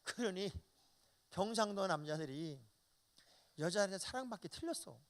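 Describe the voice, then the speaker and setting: Lively, high-voiced male pastor preaching. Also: moderate pace. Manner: animated, folksy, acts out quoted dialogue. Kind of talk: revival sermon. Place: church.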